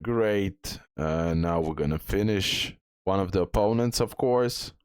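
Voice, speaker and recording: A man's voice: low voice, measured pace, clear, resonant tone, no room sound, studio quality. A man giving casual gameplay commentary as the host of a game guide, repeating himself and checking in with the listener.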